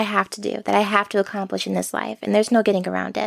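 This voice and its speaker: A soft-spoken woman on a very clean recording with a silent background. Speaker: podcast host. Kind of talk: solo monologue, personal reflection. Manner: soft-spoken, laid back.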